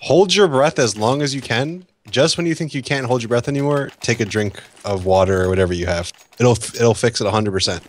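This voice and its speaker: A man co-commentating an esports match, offering relaxed, conversational analysis on a headset mic. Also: mid-range voice, fairly quick, few pauses, slight background noise.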